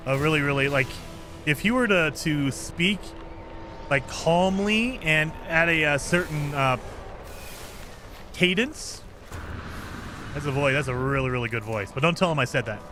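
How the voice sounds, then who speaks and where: A man streaming a game live, chatting casually and reading viewer comments, with a voice he calls high-pitched for a man. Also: unhurried, pauses often, over music. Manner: chatty, lively, self-deprecating.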